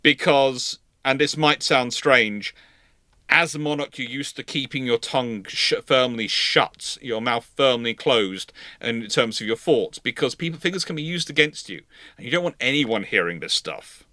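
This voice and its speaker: A man's voice: mid-range voice, moderate pace, pushed and bright, no echo, studio quality. A man hosting an informal live history discussion, often restarting and correcting himself and repeating points for emphasis. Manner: hesitant, self-correcting, emphatic repetition.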